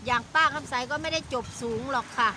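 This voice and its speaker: A woman's voice: sits high, quick pace, background noise. A middle-aged woman with an Isan accent, telling a story to her viewers in a chatty, repetitive way and ending phrases with polite particles. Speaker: vlogger.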